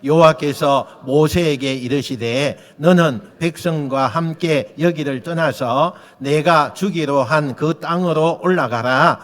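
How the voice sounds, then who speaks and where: High-voiced Korean pastor preaching. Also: male voice. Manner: emphatic preaching, rising loud on key lines; voices God, Moses and the people in quoted speech. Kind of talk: sermon.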